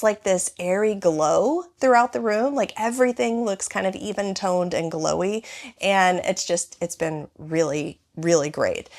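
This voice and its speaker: Raspy-voiced woman, hoarse and chatty. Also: on the low side. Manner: chatty, rambling with many "like" fillers. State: hoarse from bronchitis. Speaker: home vlogger. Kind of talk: casual home tour vlog. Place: small living room at home.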